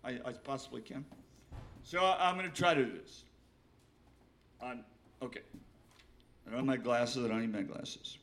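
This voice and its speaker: An older man from Oregon reading his poems aloud, halting and emotional, repeating himself and swearing between stanzas. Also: medium pitch, fairly bright tone. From Willamette Valley, Oregon. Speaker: poet reading his work. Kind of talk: poetry reading with spoken asides.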